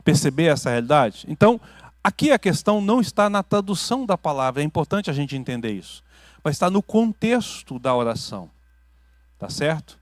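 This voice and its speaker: A Brazilian man preaching a teaching sermon as pastor, building to loud emphatic peaks and dropping to quiet asides, often checking in with his listeners. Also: fairly high pitch, very animated, brisk, dry recording. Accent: Brazilian Portuguese. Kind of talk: teaching sermon with questions to the congregation. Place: church hall.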